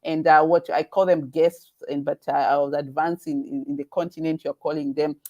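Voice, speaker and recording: A woman with a Kenyan accent hosting a live webinar over a video call. She talks haltingly, with many fillers and restarts. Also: low voice, fairly even intonation, warm tone, lo-fi sound. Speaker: event host.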